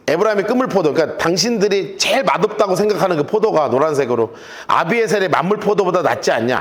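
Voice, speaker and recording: Lively high-voiced male pastor preaching. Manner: animated, joking, conversational preaching. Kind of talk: sermon with Bible study notes.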